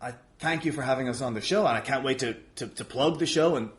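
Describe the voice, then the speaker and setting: A man's voice: mid-range voice, fast talker. A man as a podcast guest, apologetically and hesitantly placating someone in a comic argument. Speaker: podcast guest, wrestling show promoter. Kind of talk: improvised comedic argument on a podcast.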